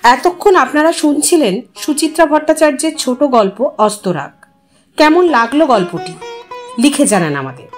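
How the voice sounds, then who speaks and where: A woman reading a literary short story aloud as an expressive narrator and host. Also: high-pitched, moderate pace, soft background music.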